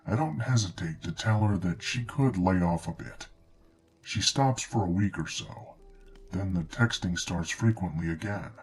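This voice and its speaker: A man reading a scripted first-person horror story in a measured, understated way, as a narrator. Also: sits low, darkish tone, poor audio. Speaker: narrator of true scary stories. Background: background music.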